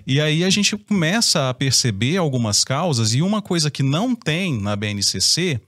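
A man's voice: fairly high pitch, sing-song, normal speed, fairly bright tone, dry recording, studio quality. A Brazilian man in casual discussion, explaining his views at length in an opinionated way. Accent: Brazilian Portuguese.

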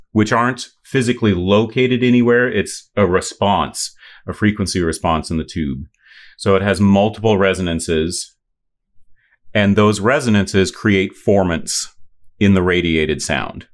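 A man's voice: lowish voice, a little slow. A middle-aged man explaining voice science in an interview, thoughtful, with many fillers and restarts. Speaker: voice science expert.

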